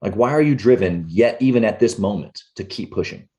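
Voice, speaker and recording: A man with a moderately low voice hosts a casual interview. His delivery is informal and conversational, full of slang, as he leads up to each question. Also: expressive, fairly quick, dark tone. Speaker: podcast host, interviewer.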